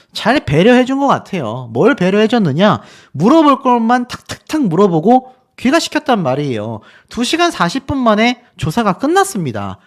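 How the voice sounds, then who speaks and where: Male news commentator, high lively voice, indignant, rhetorical, emphatic.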